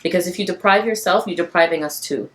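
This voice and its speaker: A woman giving a casual, passionate tarot card reading to camera, with a raspy, tired voice and encouraging repetition. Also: lowish voice, fast, fairly bright tone, rough recording. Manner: passionate, encouraging, repeats phrases for emphasis.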